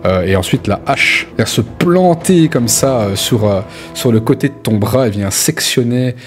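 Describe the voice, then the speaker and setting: A man's voice: mid-range voice, lively intonation, normal speed, faint music behind. A man improvising vivid, casual narration as the game master of a tabletop role-playing game. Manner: vivid descriptive storytelling with casual asides.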